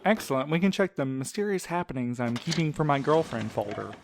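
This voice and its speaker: A man's voice: on the high side, expressive, brisk, gravelly, background noise. A man playing a teasing but supportive friend and coworker in a fiction podcast, with wordy, sarcastic quips. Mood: dry sarcasm. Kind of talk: fiction podcast audio drama acting.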